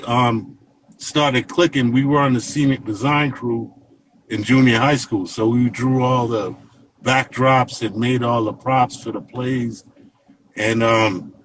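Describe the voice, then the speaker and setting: A man in his fifties from Jamaica, telling stories as an interview guest in a relaxed, rambling way, full of fillers. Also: medium pitch, a little hiss or hum, low-quality recording. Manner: relaxed, rambling, many fillers and "you know what I mean". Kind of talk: casual interview storytelling.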